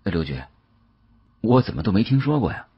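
A man voicing a modest, puzzled younger male antique dealer in an audiobook, husky and questioning. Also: lowish voice, very animated, brisk, no room sound, highs cut off, voice pushed up, heavily acted.

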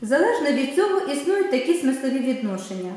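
A woman teacher giving a recorded grammar lesson, reading the rules steadily and speaking the examples with expressive intonation. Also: high voice, a little fast. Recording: very echoey room.

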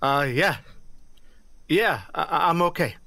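A man's voice: a little high, lively intonation, measured pace, creaky, pushed and bright, no room sound, full character voice. A defeated cop in a podcast drama. He sounds sheepish, hesitant and subdued, in a dry, close recording. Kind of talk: audio drama acting.

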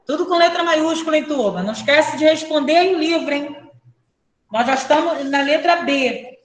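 Woman, Brazilian Portuguese accent, primary teacher, quizzing pupils, high voice, roomy echo. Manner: brisk, questioning, calls pupils by name. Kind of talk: online class with pupils. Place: classroom.

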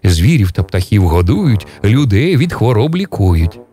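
A male radio storyteller reading a fairy tale to children. His pitch swings in a lively, sing-song way. The tone is mellow, over faint background music. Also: unhurried.

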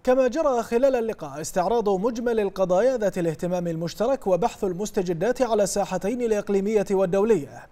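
A man reading a formal news report as a news reader, in a measured broadcast delivery. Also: sits high, dark tone. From Bahrain.

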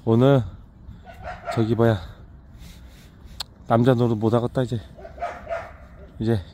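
A man's voice: medium pitch, little pitch movement, slow, mellow, a little hiss or hum. A man talking casually to rescued dogs in a rural yard. He baby-talks to the puppies and laughs often. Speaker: vlogger caring for rescued dogs. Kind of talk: casual vlog talk to dogs and viewers. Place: rural yard with dog kennels.

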